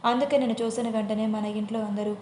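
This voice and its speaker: A gentle, protective young man, read by a woman storyteller speaks in a soft, reassuring tone. The delivery stays even and level with little rise and fall. The voice carries a roomy echo over a faint hum. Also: a little high, fast, natural voice. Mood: tender. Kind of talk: audio story character voice.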